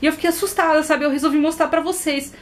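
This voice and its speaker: A woman's voice: high-pitched, fairly even intonation, quick pace. A young woman vlogger in a casual, dramatic storytelling style. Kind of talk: casual vlog storytelling and sponsor plug.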